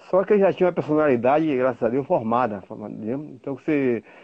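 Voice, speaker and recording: Speaking at a fairly quick pace with lively intonation, a man uses an unremarkable speaking voice. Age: 60s. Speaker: goalkeeper coach, former goalkeeper. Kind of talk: interview.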